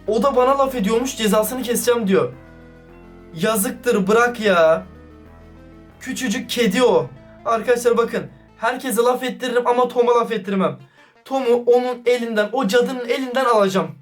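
A man doing excited, casual vlog commentary, slangy and talking straight to his viewers. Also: very high-pitched. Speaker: YouTuber reacting to a chat. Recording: distant mic with background music.

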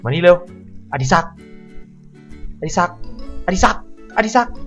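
A man giving let's-play commentary on a horror game. He talks to the zombies and swings from calm asides to startled yelps. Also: high voice, moderate pace, highs cut off, faint music behind. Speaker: gameplay commentator.

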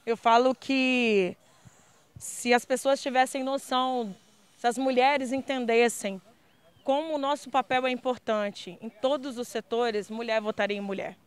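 Speaking a little slowly, this earnest Brazilian woman gives street interview answers as a community leader and council candidate. Her slightly high voice is clear and resonant, with fairly even intonation, and she tries to persuade while using many fillers.

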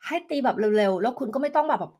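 Breathy female coach, gentle step-by-step explanations, live demo lesson, tuning fork tones behind. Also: high-pitched, lively intonation, rapid-fire. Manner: gentle, explains step by step, answers viewer questions. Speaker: health coach. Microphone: desk microphone.

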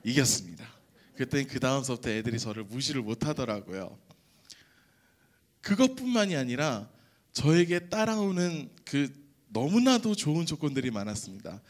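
A young man giving an animated testimony at a church prayer service, telling his story with jokes and acted-out voices. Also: mid-range voice, moderate pace.

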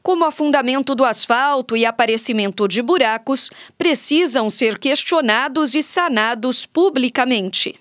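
A woman presenting the news on a municipal radio station, reading her script in a measured, deliberate way from a small studio. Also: high-pitched, lively intonation, fairly bright tone, dry recording. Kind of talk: read news report. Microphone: studio microphone on arm.

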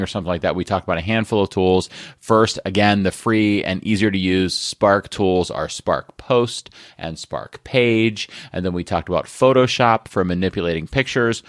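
A man's voice: sits low, dry recording, clean studio sound. A middle-aged man hosting a podcast, talking in a chatty, friendly way that sometimes rambles into restarts. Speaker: podcast host. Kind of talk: solo podcast segment.

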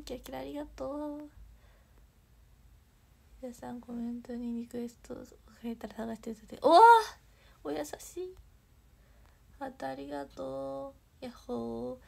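A young woman chats bubbly and warmly through her livestream, reading out comments and thanking viewers. Her voice sits a little high with a gravelly, husky texture. She drops now and then into soft, whispery asides. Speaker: idol livestreamer.

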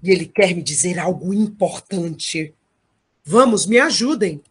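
A woman's voice: lowish voice, expressive, unhurried, breathy edge, full character voice. A Brazilian woman playing an earnest male hero and father in an audio drama. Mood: resolute.

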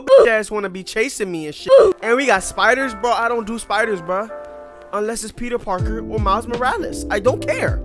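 Young male gamer, hyped and loud, hoarse edge, lively pitch, music bed behind. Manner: excitable, yelling, cursing, repeats phrases. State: losing his voice. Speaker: gaming YouTuber. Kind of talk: loud reactive gameplay commentary.

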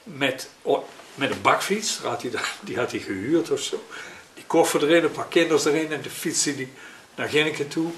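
An elderly man, recalling memories in a hesitant, pausing, conversational way. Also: on the high side, lively intonation. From Netherlands. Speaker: interviewee recalling his childhood. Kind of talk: spoken reminiscence in an interview. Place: living room at home, indoors. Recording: roomy echo with faint noise.

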